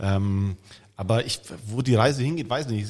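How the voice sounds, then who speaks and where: The man's pitch is medium, and his intonation stays fairly even. His voice is captured on a very clean recording with a silent background. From Bavarian Swabia (Allgäu area), Germany. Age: 40s. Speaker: star chef. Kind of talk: casual chat.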